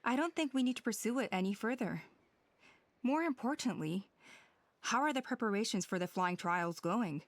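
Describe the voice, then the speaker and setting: A woman's voice: on the high side, expressive, normal speed, no room sound. A woman playing a composed, reassuring tribal elder in a video game. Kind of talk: scripted game character acting.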